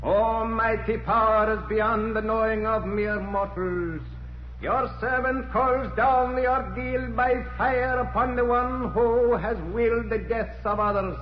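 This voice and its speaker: An actor playing a menacing mystic high priest with grandiose, solemn ceremonial speech in a 1940s radio drama. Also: male voice, steady tone, slow pace, faint music behind. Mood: solemn incantation. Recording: noisy, muffled 1940s radio recording.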